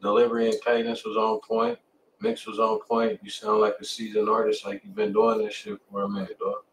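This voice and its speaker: A man's voice: on the low side, monotone, fairly quick. Male reviewer, casual street slang and cursing, roomy echo, faint noise behind. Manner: slangy, profane. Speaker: music reviewer. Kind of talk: casual music feedback chat. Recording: echoey, distant mic, faint noise.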